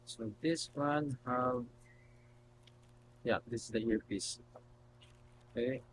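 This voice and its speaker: A man hosting a casual unboxing video, talking haltingly as he thinks aloud while handling things. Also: medium pitch, noisy background. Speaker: video host.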